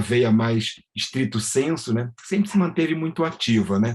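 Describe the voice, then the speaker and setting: Ordinary pitch variation, with a slight Carioca accent. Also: man. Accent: carioca (Rio de Janeiro), slight. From Brazil, Rio de Janeiro. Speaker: organizational psychologist and professor. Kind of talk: podcast interview.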